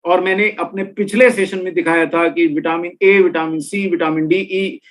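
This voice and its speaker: A man's voice: high-pitched, fairly even intonation, moderate pace. A middle-aged man presenting a health and nutrition talk, explaining step by step and speaking straight to his listeners. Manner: explanatory, addresses listeners directly. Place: room with products on shelves behind.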